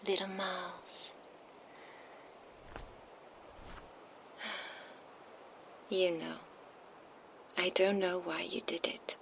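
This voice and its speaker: A woman voicing a cold, menacing female vampire enforcer in an ASMR roleplay, speaking in a soft, slow, taunting whisper into a binaural microphone. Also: lowish voice, gravelly, slight background noise, low-quality recording.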